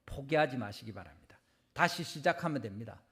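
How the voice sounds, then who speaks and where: A middle-aged pastor delivers an earnest Sunday sermon, often acting out conversations in quoted lines. His voice has a gravelly edge and sits at a middle pitch for a man. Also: expressive, a little fast, fairly bright tone.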